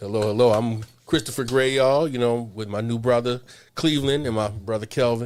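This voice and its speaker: A plain, everyday voice from a man at a fairly quick pace, medium pitch and fairly even intonation. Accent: American. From California. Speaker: photographer. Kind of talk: casual chat.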